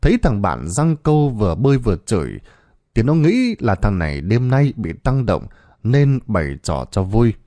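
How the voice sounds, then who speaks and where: A man's voice: fairly low pitch, very animated, normal speed, dark tone, no room sound. Dramatic male horror storyteller. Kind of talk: scripted horror narration.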